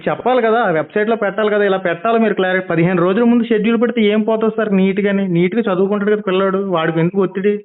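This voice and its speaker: A man's voice: high-pitched, steady tone, racing, few pauses. A man pressing persistently with questions as a reporter on a recorded phone call. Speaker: channel reporter calling a helpline.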